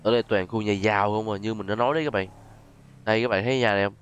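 A man's voice: on the low side, fairly even intonation, racing, a little hiss or hum. A man with a Southern Vietnamese accent doing casual game commentary as a channel host, chatting directly to his viewers. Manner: conversational, addresses viewers directly with frequent tag particles.

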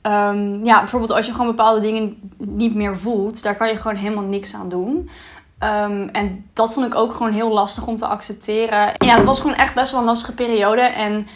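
A woman's voice: medium pitch, fairly even intonation, normal speed. A woman in her twenties chatting casually in a vlog as she eats, at times talking with her mouth full. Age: 20s. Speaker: vlogger. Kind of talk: casual girl talk mukbang vlog. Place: small bright room indoors, seated at a table.

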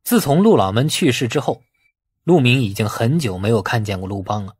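A man with a husky voice narrating a novel in a dramatic, scripted audiobook style. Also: mid-range voice, lively intonation, fairly quick, darkish tone, dry recording, clean studio sound.

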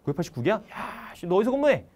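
A man's voice: high voice, big pitch swings, racing, a little mellow. A man voicing a blunt, bossy older male ex-marine veteran who barks curt questions. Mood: gruff.

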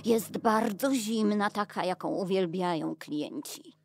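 A woman playing a scheming, smug male guard and trader in an improvised children's radio play, brisk and bargaining. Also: medium pitch, gravelly, soft background music. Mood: conniving.

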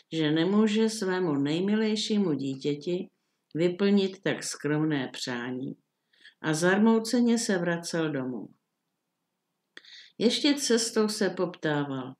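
An older woman reading a classic fairy tale aloud in a calm, measured storytelling manner. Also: fairly low pitch.

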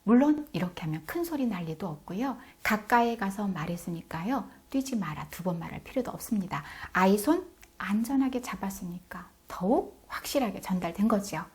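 A woman's voice: mid-range voice, lively intonation, fairly quick, a little mellow. A middle-aged woman giving parenting advice to camera in an emphatic way, acting out scolding mothers and dropping into whispered asides. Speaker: parenting educator.

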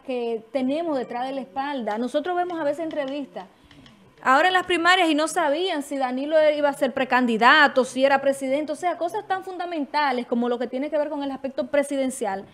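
A woman, hosting a TV panel and putting questions in searching, hesitant phrasing at a studio desk microphone. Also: high voice. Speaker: TV host. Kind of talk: TV panel discussion.

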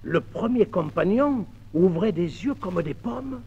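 A man telling a folk tale in a lively, expressive theatrical reading, on an old mono record. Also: sits high, measured pace, breathy edge. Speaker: storyteller. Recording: dull 1950s mono record.

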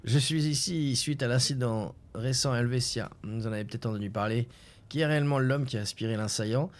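A man's voice: medium pitch, brisk, lightly acted. A man reading aloud the message of a female freelance journalist, in an earnest tone.

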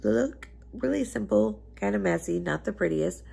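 A woman's voice: medium pitch, animated, normal speed, gravelly, mellow, husky. A young woman beauty vlogger chatting casually to camera from her couch, her voice scratchy as she is losing it, talking in a rambling, emphatic way. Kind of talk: casual makeup chat to camera. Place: living room couch indoors.

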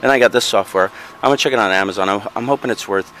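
Low-voiced man rambling about his finds. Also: racing, bright, forceful tone, slight background noise. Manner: rambling, frequent ums and self-corrections. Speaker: vlogger showing resale finds. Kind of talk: casual show-and-tell narration. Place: outdoors in a backyard patio.

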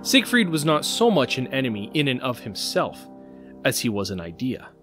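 A man's voice: medium pitch, huge pitch swings, normal speed, a bit bright, faint music behind. A man narrating an audio drama in a dramatic, scripted storytelling style.

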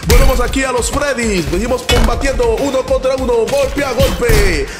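A man narrating a fight as a theatrical, bombastic commentator in an excited ringside announcing style. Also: very high voice, normal speed. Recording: reverberant hall-like echo with music. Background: music.

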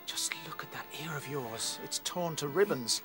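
A man playing a considerate, steady young rabbit leader in a radio drama. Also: a little high, normal speed, over music, lightly acted. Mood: firm, concerned.

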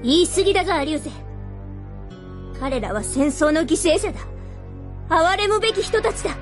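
An actress playing a haughty, hot-tempered young princess with imperious, old-fashioned noble phrasing in a Japanese radio drama. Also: female voice, very high voice, expressive, moderate pace, music in the background.

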